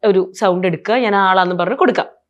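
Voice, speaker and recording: A woman's voice: mid-range voice, a little fast, muffled recording. A woman with a Kerala Malayali accent hosting an interview in a casual, chatty style. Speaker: interview host. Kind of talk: casual chat.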